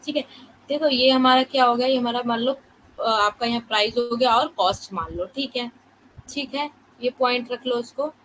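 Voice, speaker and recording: A woman teaching a live online class, explaining slowly and softly with many rhetorical questions while she is fasting and low on energy. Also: slight background noise, poor audio.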